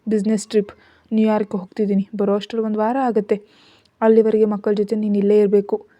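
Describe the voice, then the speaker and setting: A woman's voice: medium pitch, monotone, quick pace, dark tone, no room sound, lightly acted. A woman voicing a stern but tender husband in a storybook reading, with a curt, commanding manner.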